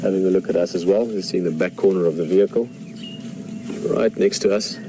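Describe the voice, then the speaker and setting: A man's voice: low-pitched, brisk. Safari guide, South African man, Afrikaans first language, chatty and keen, outdoor noise with birds and engine behind. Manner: enthusiastic, chatty, answering viewer questions. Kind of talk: live safari commentary. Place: outdoors, open game-drive vehicle in the bush.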